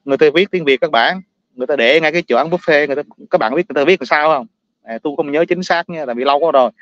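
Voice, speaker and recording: A man's voice: on the high side, very fast, a bit bright, no echo, highs cut off. A man from Vietnam with a Southern Vietnamese accent, talking casually and bluntly to his viewers, ranting, repeating words and laughing often.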